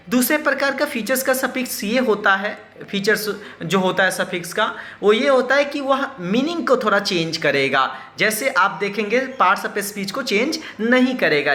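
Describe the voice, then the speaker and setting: A man's voice: sits high, bright, forceful tone, echoey room. A man teaching an English grammar lesson. He mixes English terms into his Hindi, poses questions to himself and then answers them.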